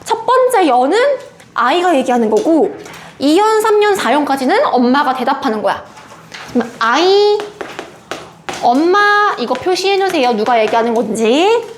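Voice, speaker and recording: A young woman teaching a class, explaining a text in a lively way and acting out the lines it quotes. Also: high-pitched, moderate pace, a little hiss or hum. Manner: animated, acts out quoted lines. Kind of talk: classroom lecture.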